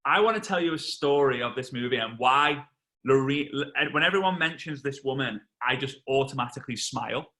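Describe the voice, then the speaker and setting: A man from England in his thirties, a network marketing trainer telling a lively story on a video call and acting out the voices. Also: mid-range voice, fairly quick. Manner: animated storyteller, acts out voices and shouts.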